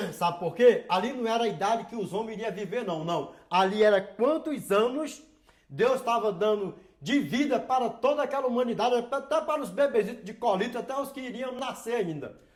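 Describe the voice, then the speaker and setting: An extremely high-pitched man with an animated tone and lively intonation, at a moderate pace, with audible room echo. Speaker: preacher. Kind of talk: sermon.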